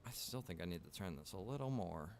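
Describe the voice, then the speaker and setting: A man with a fairly low voice talks casually as he streams a game. He thinks out loud and rambles between remarks to his viewers. There is faint noise in the background of the recording. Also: animated, fast. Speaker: game streamer and server operator. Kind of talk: casual livestream chat while gaming.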